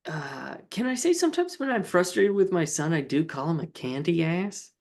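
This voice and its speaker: A woman co-hosting a comedy podcast in casual chat, with dry, deadpan jokes. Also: fairly low pitch, normal speed. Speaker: podcast co-host.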